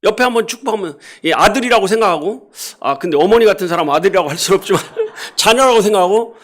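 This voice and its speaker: A middle-aged male pastor preaching a sermon in a church, animated and questioning the congregation, acting out animal sounds and scoldings. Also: sits high, fast. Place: church sanctuary.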